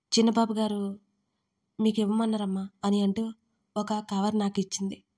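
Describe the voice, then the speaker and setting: A woman with a medium-pitched, somewhat breathy voice and a dark, mellow tone speaks in a monotone with flat intonation on a very clean recording with a silent background. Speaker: storyteller. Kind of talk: read romantic audio story. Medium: read story.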